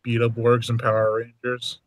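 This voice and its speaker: A man in his mid twenties co-hosting a casual watch-along, playful and teasing with quick wisecracks. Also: mid-range voice, monotone, dry recording. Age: 20s. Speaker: co-host.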